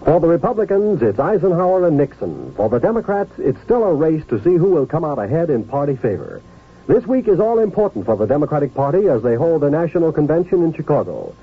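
A man's voice: a little high, very animated, fast talker, husky. A man announcing a promo in 1950s radio style. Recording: muffled vintage radio recording.

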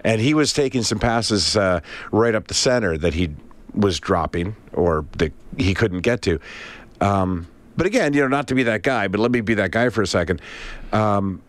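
A man co-hosting a radio show, talking sports in a wry, chatty way while he has a cold. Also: lowish voice. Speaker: radio co-host. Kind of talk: casual sports chat.

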